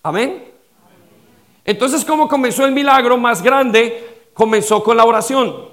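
A male pastor preaching a sermon with rhetorical questions and repetition, swinging between loud stress and quiet dropped lines. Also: very high voice, unhurried.

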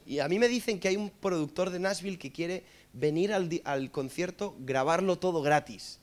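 Funny preacher guy from madrid, tells stories with lots of energy, voice on the high side. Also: normal speed. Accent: Madrid Spanish. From Spain. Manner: animated, joking, asks the crowd for amens. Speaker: preacher and musician. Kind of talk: humorous storytelling sermon.

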